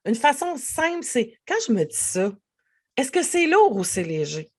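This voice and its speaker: Animated Québécois woman life coach. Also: fairly high pitch, moderate pace. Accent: Québécois French. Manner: animated, speaks directly to the listener. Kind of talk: podcast monologue.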